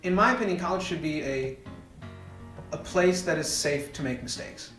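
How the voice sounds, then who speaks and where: A man's voice: a little high, moderate pace, fairly bright tone, echoey room, soft background music. A young man, a college student and podcast guest, telling self-deprecating stories in casual chat. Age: young adult.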